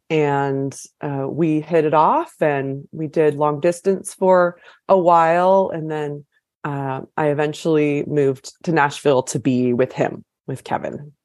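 Interview guest: low-pitched woman from California, talkative and loose, dry close recording. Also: fairly even intonation, a little slow, darkish tone, dry recording. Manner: chatty, with frequent fillers and restarts. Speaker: chef and author guest. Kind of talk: casual interview conversation.

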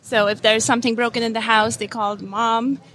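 A woman's voice: fairly high pitch, flat delivery, brisk, fairly bright tone. A woman from India, in her thirties, chatting in an upbeat, casual way as an interview guest at a convention, with many fillers. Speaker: DIY creator, guest. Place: convention floor.

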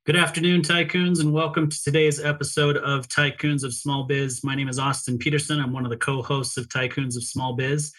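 A man's voice: medium pitch, a bit bright. A man with a mid-range voice hosts an interview podcast. He welcomes listeners and guides his guest in a friendly, wordy way, with the easy rhythm of practiced introductions. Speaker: podcast co-host.

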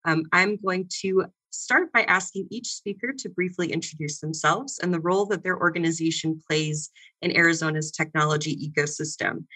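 Brief: woman panel moderator, bright and clear, friendly and brisk. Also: lowish voice, low-quality recording. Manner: friendly and upbeat, keeps things moving.

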